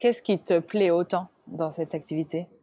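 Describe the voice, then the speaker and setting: A woman's voice: lowish voice, moderate pace, dark tone, dry recording. A woman interviewing a guest casually, asking friendly, slightly hesitant questions.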